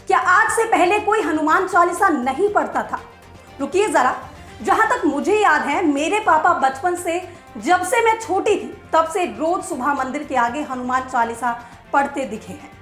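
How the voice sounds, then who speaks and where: Very high-pitched woman news presenter. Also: a bit bright. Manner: rhetorical, sarcastic, emphatic. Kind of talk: scripted news commentary to camera. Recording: echoey room with music behind.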